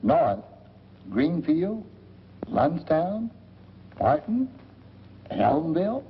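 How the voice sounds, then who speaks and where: An actor playing a brash, haggling small-town lodger in a 1940s film, blunt and folksy. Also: male voice, on the high side, sing-song, very slow, a little hiss or hum, full character voice. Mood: brash, needling. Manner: folksy slang, blunt questioning. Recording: muffled old film soundtrack, reverberant room.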